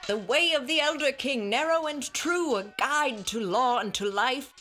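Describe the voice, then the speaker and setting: A solemn, faithful companion in an audio drama. Her high voice exhorts and recites with earnest devotion over faint music. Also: lively intonation, normal speed, bright, forceful tone. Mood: urgent, reverent. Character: solemn, devout female ally reciting a creed.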